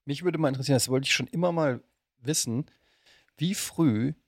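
A man speaking as a podcast host, chatting informally and curiously, thinking out loud as he asks. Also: medium pitch, a little fast, husky, dry recording, clean studio sound. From Germany. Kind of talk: casual interview chat.

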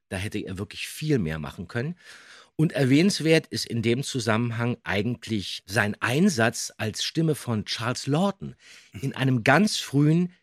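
A man's voice: mid-range voice, no room sound, clean studio sound. A man hosting a podcast, talking conversationally and emphatically about radio drama history. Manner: enthusiastic, emphatic. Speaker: podcast host and voice actor.

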